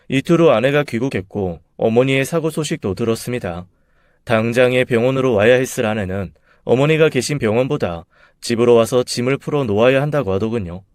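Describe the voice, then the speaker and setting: A young man tells his own story in a measured, bitter, confessional voice. His pitch sits in the middle, and the recording is close and dry with no room sound. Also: a little mellow, no room sound. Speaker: narrator. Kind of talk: dramatic story narration.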